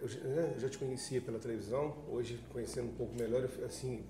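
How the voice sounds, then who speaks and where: A man's voice: medium pitch, fairly even intonation, fast talker, roomy sound, music in the background. A man hosting an interview, asking questions and affirming his guest. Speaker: pastor and interview host. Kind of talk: interview conversation.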